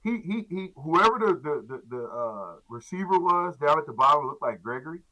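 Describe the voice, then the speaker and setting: A man's voice: fairly high pitch, animated, a little fast, bright, forceful tone, low-quality recording. A man hosting a casual sports chat, teasing his guest with questions and repeating himself for emphasis. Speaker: talk show host interviewing a guest.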